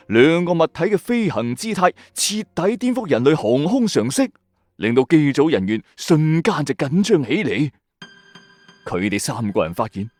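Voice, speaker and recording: A man's voice: medium pitch, no echo. A man with a Hong Kong Cantonese accent narrating a scripted mystery story in a suspenseful, emphatic radio storytelling style. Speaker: storyteller host of a mystery show. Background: background music.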